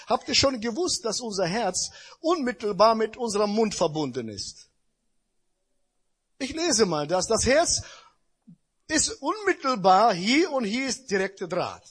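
Husky high-voiced male preacher. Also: a bit bright. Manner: emphatic, addresses the congregation directly. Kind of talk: sermon.

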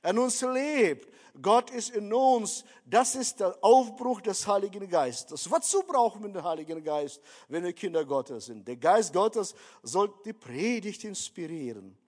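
A man's voice: high voice, lively intonation, measured pace, darkish tone. A man preaching a sermon, emphatic, repeatedly calling his listeners dear friends. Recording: long hall reverb.

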